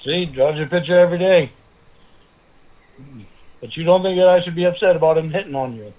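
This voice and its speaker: A man's voice: a little high, a little fast. A man calling in on speakerphone, irritated and repeatedly asking whether he can be heard. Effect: heard over a phone on speakerphone. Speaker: caller. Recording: tinny phone line.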